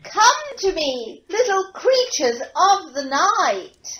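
A sweet, naive young servant girl from a comic pantomime, played by a woman. The voice is high and very lively in pitch, on a noisy home video-call recording. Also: slow, exaggerated voice. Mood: earnest, sweet. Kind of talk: pantomime audio acting.

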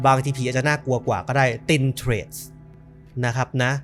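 A man's voice: medium pitch, normal speed, faint music behind. A man giving casual, jokey let's-play commentary on a horror game, swearing and muttering to himself. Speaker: gaming streamer.

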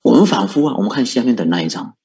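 Talking very fast with lively intonation, this monk has a warm, medium-pitched voice. He delivers a dharma talk in Mandarin tinged by a Fujian accent, chuckling at his own points and asking rhetorical questions.

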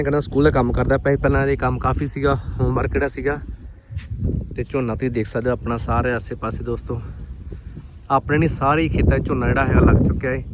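A man from Punjab, India, talking casually to his viewers as friends while vlogging outdoors in farm fields on a handheld phone. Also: medium pitch. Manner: chatty, talks straight to viewers as friends. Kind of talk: casual vlog chat. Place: outdoors in rural farm fields, on a motorbike and walking. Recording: outdoor phone audio with clear wind and field noise.

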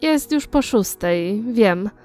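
A woman reading a sharp-tongued young model. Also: medium pitch, expressive, takes it slowly, soft background music. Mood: scolding. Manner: scolding, outspoken. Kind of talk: audiobook reading.

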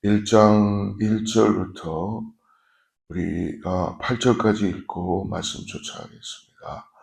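A male pastor giving an early morning sermon, speaking slowly and measured with frequent pauses and fillers. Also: fairly low pitch, fairly even intonation, vocal fry, darkish tone. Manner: slow measured preaching with fillers.

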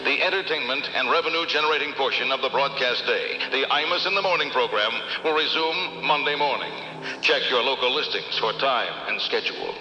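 A man's voice: mid-range voice, a little fast, bright, forceful tone, roomy sound, long reverb tail, lo-fi sound, soft background music. A male announcer reading a scripted radio sign-off in a dry, sardonic manner. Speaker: station announcer. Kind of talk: scripted promo narration.

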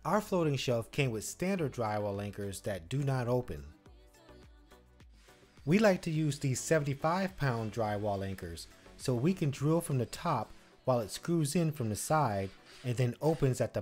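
A man walks through a DIY project step by step in a scripted voice-over. His voice sits at an ordinary middle pitch, instructive and even. Faint background music plays under him. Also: moderate pace. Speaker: DIY channel co-host.

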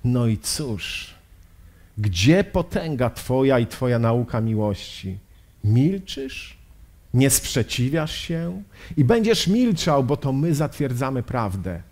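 A man reading aloud the lines of a defiant middle-aged revolutionary leader who mocks heaven, slow and dramatic within a sermon. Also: mid-range voice, big pitch swings, darkish tone. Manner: scornful, challenging heaven.

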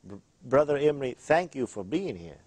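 A man's voice: medium pitch, very animated, normal speed, darkish tone. A man from Iraq hosting a Christian studio talk show, preacherly, with frequent "amen" and "uh" fillers.

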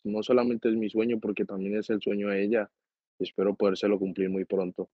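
A man's voice: on the low side, little pitch movement, fairly quick, slight background noise. A man in his twenties from Cali, Colombia, with a Colombian accent, giving plain, modest answers in a video-call interview. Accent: Colombian Spanish. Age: 20s. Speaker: guest footballer. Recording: dry, dull video-call audio.

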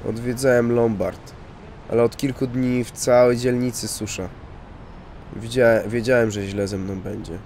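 A man's voice: medium pitch, little pitch movement, measured pace, darkish tone, slight background noise, natural voice. A man voicing a desperate older priest who begs in a breathless, pleading way. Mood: weak, begging.

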